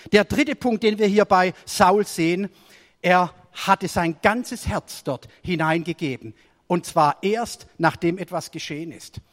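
High-voiced preacher in a reverberant hall. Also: male voice. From Germany. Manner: storytelling sermon with swings between raised emphasis and quiet asides. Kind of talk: sermon.

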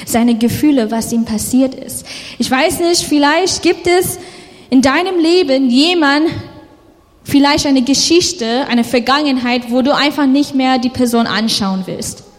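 A woman preaches a sermon in a high voice, taking her time over each verse. She turns often to speak directly to the listener. Her words ring out with a long reverb, as if in a large hall. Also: measured pace.

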